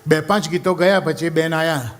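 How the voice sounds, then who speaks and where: Animated high-voiced male stand-up comic. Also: normal speed. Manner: animated, acts out characters and sings snatches of songs. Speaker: stand-up comedian. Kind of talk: stand-up comedy storytelling.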